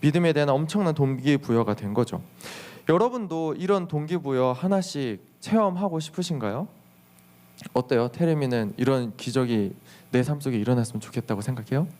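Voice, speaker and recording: A young man, a youth pastor, preaching to teenagers in a lively storytelling way, asking the listeners questions and acting out what people say. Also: medium pitch, brisk. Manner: lively storytelling, acts out quotes with exclamations; addresses the listeners directly with questions. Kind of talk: sermon to teenagers.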